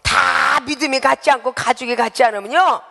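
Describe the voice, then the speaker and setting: Gravelly-voiced woman pastor preaching in echoing hall. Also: high voice, fairly quick, sharp tone. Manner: emphatic, calls out questions to the congregation. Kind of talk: sermon. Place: church sanctuary. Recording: long reverberant hall sound.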